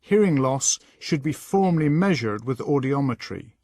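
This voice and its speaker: A man reading scripted instructional narration in a measured, instructing manner. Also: mid-range voice, lively intonation, mellow, no echo. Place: dry voice-over recording.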